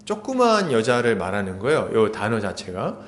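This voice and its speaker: A man's voice: fairly low pitch, normal speed. A male pastor preaching a sermon, retelling a story vividly and acting out its scenes. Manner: lively storytelling, acts out scenes and quotes.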